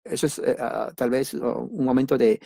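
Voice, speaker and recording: A man teaching a church doctrine class, speaking deliberately in simple words and repeating key words for emphasis. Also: medium pitch, fairly even intonation, gravelly, dark tone, no room sound, clean studio sound. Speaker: Bible study teacher.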